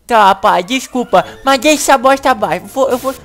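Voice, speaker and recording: A woman hosting a gaming channel, acting in a comedic video-game animation with an excitable, whiny way of talking. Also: a little high, creaky, soft background music. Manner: excitable, whiny, fast bursts.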